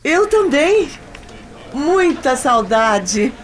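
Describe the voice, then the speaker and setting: A slightly noisy radio drama recording of an anxious young woman putting on a front for her lover. Her voice is high and unhurried, with hesitant, halting phrases that swing widely in pitch. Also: big pitch swings, heavily acted. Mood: feigned cheer. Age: young adult. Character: anxious young woman feigning cheer as her jealous sister. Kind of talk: radio soap opera acting.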